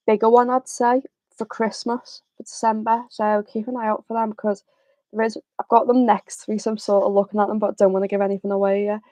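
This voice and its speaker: Young woman, slightly raspy, casual livestream host, flat even delivery, dry close sound. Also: mid-range voice, no room sound. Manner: chatty, relaxed, many fillers. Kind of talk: casual live chat.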